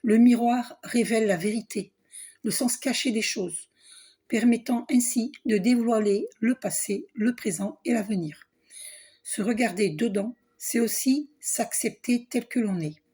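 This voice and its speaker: This spiritual vlogger is a middle-aged woman whose husky, hoarse voice sits fairly high and moves at an unhurried pace. Reading a card box aloud in a relaxed vlog, she often coughs and clears her throat, trailing off, restarting hesitantly and murmuring asides.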